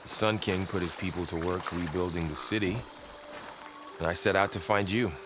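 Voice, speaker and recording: An actor playing an earnest, loyal tribal warrior in a video game, plain-spoken and a little cautious. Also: male voice, low voice, fairly even intonation, normal speed, music in the background, natural voice. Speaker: game companion character. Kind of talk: naturalistic video game cutscene acting.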